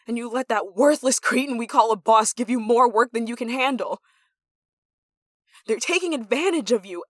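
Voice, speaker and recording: Female actor as obsessive yandere coworker-lover. Intimate ASMR drama, sweetly threatening, breathy delivery, very dry close sound. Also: on the high side, dry recording, close to an everyday voice. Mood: jealous, agitated. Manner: breathy sighs and chuckles, dropping to whispers. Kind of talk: intimate ASMR roleplay acting.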